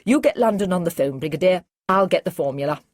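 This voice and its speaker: A woman voicing a brisk, confident male scientist in an audiobook. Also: fairly low pitch, lively intonation, no echo, studio quality. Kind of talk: audiobook character reading.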